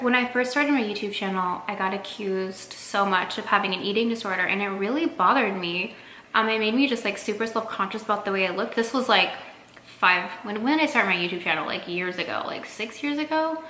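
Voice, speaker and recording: Chatty woman vlogger, bright echoey sound. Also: mid-range voice. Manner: chatty, many fillers, eats while talking. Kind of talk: casual talk to camera. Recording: echoey room with faint noise.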